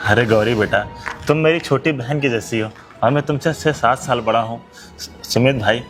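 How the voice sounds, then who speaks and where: A man's voice: medium pitch, moderate pace, faint music behind, close to an everyday voice. A man playing a poor, disabled childhood friend who speaks in a heartfelt, pleading way in an amateur skit. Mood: hurt.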